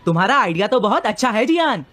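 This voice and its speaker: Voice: mid-range voice, sing-song, fast, fairly bright tone. An actor voicing a sly, tattling schoolboy sidekick in a dubbed children's cartoon, eager but timid. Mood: eager, wheedling.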